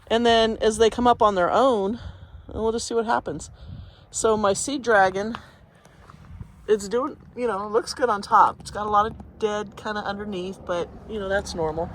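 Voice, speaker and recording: Female gardening vlogger, congested and chatty, mid pitch, faint outdoor noise behind her. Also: steady tone, moderate pace. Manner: chatty, rambling, talks to camera. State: congested, sniffling. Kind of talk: casual garden walkthrough.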